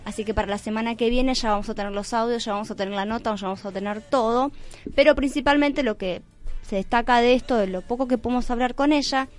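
A woman's voice: on the high side, quick pace, faint music behind. A woman hosting a radio show in a casual, chatty style. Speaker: radio host.

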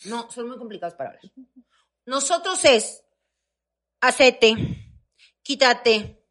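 A Mexican woman in casual chat, telling a story in an animated way and acting out the voices of people in it. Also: a little high, moderate pace.

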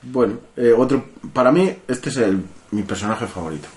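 A man's voice: mid-range voice, moderate pace, darkish tone. A man hosting a casual film podcast, insistent and swearing freely. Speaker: podcast host discussing a film.

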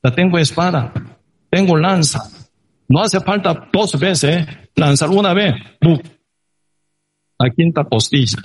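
A man's voice: a little high, a little slow, long pauses, slightly rough. A man voicing an eager male soldier urging his leader to let him strike.

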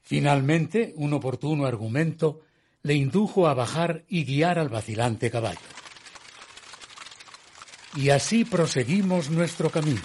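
An actor playing a reflective gentleman who narrates his own eerie tale in a radio drama, in a measured, literary manner. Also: a little high, expressive, slight background noise. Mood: grave narrating. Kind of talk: scripted first-person radio drama narration.

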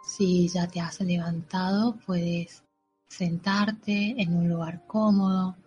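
A woman narrating a guided meditation in a soothing, unhurried way, with gentle pauses. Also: on the low side, steady tone. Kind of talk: slow guided meditation with affirmations. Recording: dull lo-fi audio with soft music. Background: soft background music.

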